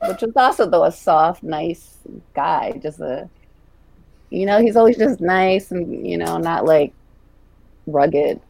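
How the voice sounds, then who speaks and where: A woman co-hosting a podcast in relaxed casual chat, with a lot of "like" fillers. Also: on the low side, slow pace, vocal fry, pauses often. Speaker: podcast co-host.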